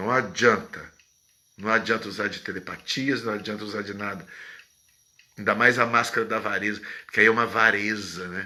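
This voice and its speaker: There is audible room echo as a man speaks at a fairly low pitch. His pace is moderate, broken by long, frequent pauses. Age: 60s. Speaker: philosophy teacher. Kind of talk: lecture. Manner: animated.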